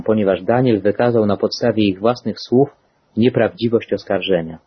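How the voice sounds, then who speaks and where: A man reads scripture aloud in a solemn, measured manner. His voice sits fairly low and has a husky grain. The recording sounds muffled and lo-fi. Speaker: scripture reader. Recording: dull lo-fi recording.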